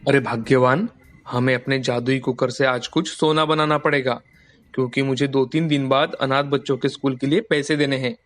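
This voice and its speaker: A man voicing a kind, generous merchant in a cartoon story, speaking calmly and reassuringly. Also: mid-range voice, moderate pace, soft background music, lightly acted. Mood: earnest. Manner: calm, gentle, reassuring. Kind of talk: cartoon voice acting.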